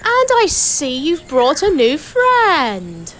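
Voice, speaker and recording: Girl-ish lady doing a hesitant young princess, lively swoopy pitch, slow, sincere, audio drama. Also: a little hiss or hum, heavily acted, low-quality recording. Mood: pleased. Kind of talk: amateur audio drama acting.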